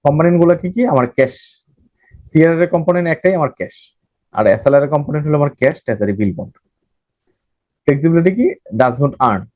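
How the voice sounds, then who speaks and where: A man's voice: on the high side, fast, pauses often, darkish tone, no room sound, dull audio. A man from Bangladesh, giving a recorded banking lecture and repeating phrases as he explains. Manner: explains by repeating phrases, mixing in English terms, self-corrects. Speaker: banking exam tutor.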